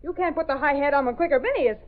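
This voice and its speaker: A spunky young secretary who fires off sassy slang at top speed, her voice high and darting. A woman plays her in 1930s radio-drama style. The sound is thin and tinny, like an old broadcast. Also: very fast, background noise, natural voice. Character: spunky fast-talking female newspaper secretary.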